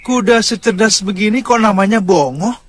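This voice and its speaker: Friendly young lord, high voice, teasing his servant, radio play figure. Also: moderate pace. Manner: friendly, teasing and warm-hearted toward the servant. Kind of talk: radio drama acting.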